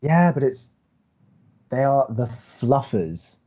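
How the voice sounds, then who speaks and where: A man's voice: mid-range voice, very animated, mellow. Man playing a prickly student radio co-host, muffled audio. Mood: dry, reluctant. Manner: dry, exasperated, halting when flustered. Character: reluctant, prickly, easily flustered male college radio co-host. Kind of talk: romantic comedy audio drama banter.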